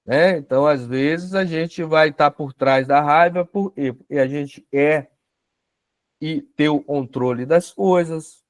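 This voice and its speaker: Brazilian male teacher, slightly high voice, dry close sound, chatty, asks the room questions. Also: takes it slowly, dry recording. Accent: Brazilian Portuguese. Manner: conversational, tag questions, acts out dialogues. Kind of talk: spiritual self-knowledge class.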